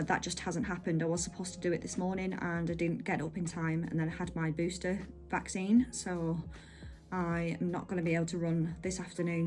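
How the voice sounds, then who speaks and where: A woman's voice: lowish voice, darkish tone. A woman giving a casual, chatty vlog update in an informal, meandering way. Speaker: running vlogger.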